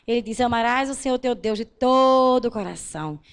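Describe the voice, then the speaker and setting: A woman pastor delivering a fervent sermon in a high, bright voice. She speaks straight to the congregation, building to loud emphatic declarations, then dropping to soft, tender lines. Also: fairly quick, clear, resonant tone. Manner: addresses the congregation directly.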